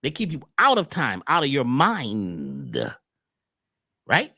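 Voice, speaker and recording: Animated man with swooping pitch. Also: slow pace, dry recording, clean studio sound. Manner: emphatic, repeats phrases, swoops up on key words. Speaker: wellness coach. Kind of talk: animated talk-show conversation.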